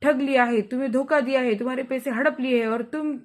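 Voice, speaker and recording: Strict bullying master of the house, voiced by a woman with a high voice, lectures sternly. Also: moderate pace, a bit bright. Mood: angry. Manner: lecturing, grows agitated and stammers. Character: stern scheming male employer, middle-aged, lecturing.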